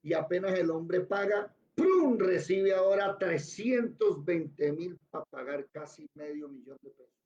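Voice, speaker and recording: A man's voice: high-pitched, lively intonation, a little slow, darkish tone, highs cut off. A man with a Colombian accent, a Bible teacher telling a story in an informal lesson and often checking in with his listeners. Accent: Colombian Spanish.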